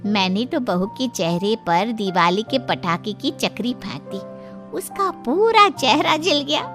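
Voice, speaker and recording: A woman's voice: a little high, lively intonation, unhurried, over music. A woman voicing a cruel, gossiping middle-aged friend in a cartoon story, sly and gloating.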